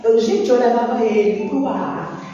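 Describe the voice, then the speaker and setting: A woman with a Brazilian Portuguese accent tells a personal life story to a group, in a lively way, often talking straight to her listeners. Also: a little high, unhurried. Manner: lively storytelling, addressing the audience directly. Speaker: speaker sharing a life testimony. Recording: echoey hall, mic far off, dull sound.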